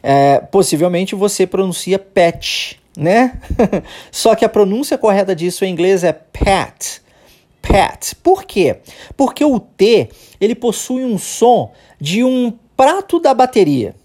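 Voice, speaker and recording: A Brazilian man hosting an English-lesson podcast, explaining step by step, often checking in with "tá?" and slowly demonstrating sounds. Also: sits high, very animated, mellow. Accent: Brazilian Portuguese. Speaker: English teacher, podcast host.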